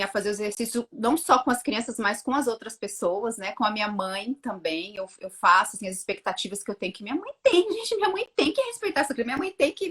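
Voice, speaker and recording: A woman in her thirties, a mother telling her story on a casual live chat, acting out her own words with lively energy. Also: a little high. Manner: animated storytelling, acts out her own quotes. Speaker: guest, mother of two.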